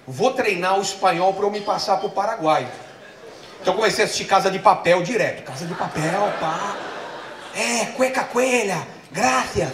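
A man's voice: high voice, normal speed, background noise. A middle-aged man from Brazil doing a stand-up set, telling stories and acting out the voices. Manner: animated storytelling with acted-out voices. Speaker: stand-up comedian. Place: comedy festival stage. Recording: roomy live stage sound.

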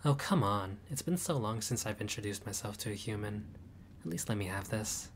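A man's voice: expressive, normal speed, a little hiss or hum. A man voicing a friendly, laid-back male vampire host with dry teasing humor in a roleplay audio. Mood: wry. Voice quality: low voice, dry teasing humor, grandly theatrical at times.

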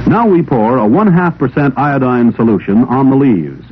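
A man's voice: mid-range voice, very animated, normal speed, faint music behind. Tinny 1950s film narrator, man. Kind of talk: scripted instructional narration, 1950s classroom film. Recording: old 16mm film soundtrack, narrow telephone-like band.

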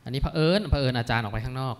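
A man speaking at an academic seminar, reciting lines of old poetry and then explaining their words in a polite, measured way. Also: mid-range voice, slight background noise. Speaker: academic panelist.

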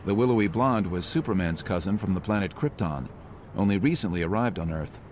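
A man narrating a motion comic in a measured, descriptive manner. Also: deep voice, lively intonation, darkish tone, slight background noise. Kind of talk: scripted narration. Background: music.

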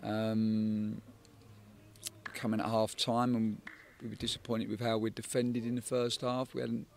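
A man in his forties, a football head coach, giving a measured post-match interview outdoors at a night stadium, often repeating words as he thinks. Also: fairly low pitch, monotone, creaky, darkish tone, a little hiss or hum. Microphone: handheld interviewer microphone.

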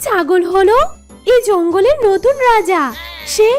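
A very high, childlike cartoon bird voice. The little mother is naive and timid, pleading with a nervous stammer, with music behind. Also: measured pace, a little mellow.

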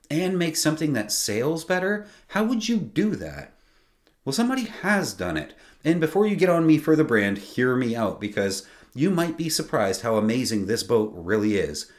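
Animated man hosting a sailing channel. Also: mid-range voice. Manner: animated, emphatic, gestures with his hands. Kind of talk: scripted video commentary. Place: small home studio with lit shelves.

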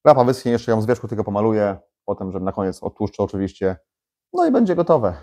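A man's voice: lowish voice, very animated, fast, warm tone. A man in his thirties giving a casual DIY vlog walkthrough, chatty with lots of fillers and restarts, in a small garage workshop. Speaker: DIY vlogger. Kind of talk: casual how-to vlog talk.

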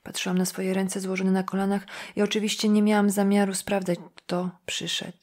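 A woman reads a novel in the first person, quiet and inward. Her narration is measured and even, as if she is thinking aloud. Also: mid-range voice. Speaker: audiobook narrator.

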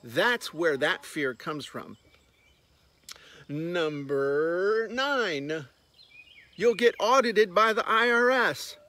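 A man's voice: high voice, expressive, drawn-out words, pauses often, pushed and bright. Blunt, sarcastic man vlogging outdoors. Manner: blunt, sarcastic, jokey outbursts. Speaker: business coach. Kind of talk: casual talking-head vlog. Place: outdoors on a farmyard. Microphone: phone held at arm's length.

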